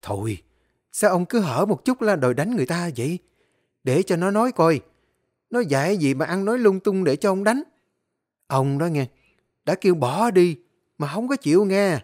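A man voicing an impatient, sharp-tongued older woman, mistress of the house, in a spoken story. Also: sits high, big pitch swings, normal speed, pauses often, voice pushed up. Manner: scolding, impatient.

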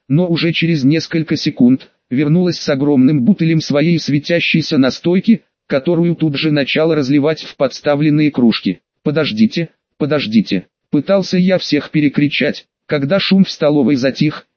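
A man reads a first-person fantasy audiobook in a wry, matter-of-fact manner, his voice a touch higher than most men's. The recording is close and dry, with a slightly dull, muffled tone. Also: darkish tone, dry recording. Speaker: audiobook narrator.

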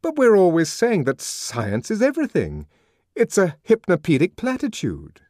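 A man voicing a bright young man who questions with astonishment. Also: mid-range voice, very animated, unhurried, no room sound, clean studio sound, pitched above the performer's own voice. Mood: astonished.

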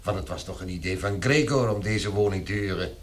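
Low-voiced family father. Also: brisk. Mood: contented. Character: middle-aged family father, settled and authoritative. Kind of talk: 1960s radio play acting.

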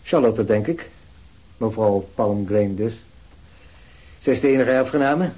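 An actor in a radio play playing a cool, evasive male company executive who answers police questions curtly and condescendingly, with a husky voice. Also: on the low side, measured pace, mellow, rough recording. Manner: curt, guarded, condescending. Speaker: business executive. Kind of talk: Dutch radio play acting.

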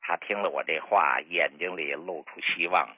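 A man's voice: deep voice, normal speed, dry recording. An older man, a traditional medicine doctor telling a patient's story on a radio health show in a folksy, dramatic way. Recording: dull lo-fi radio broadcast.

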